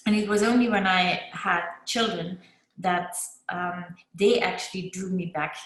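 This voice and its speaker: A middle-aged woman from Belgium, answering interview questions in a slow, reflective way. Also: on the low side, fairly even intonation, a bit bright. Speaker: guest. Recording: echoey room.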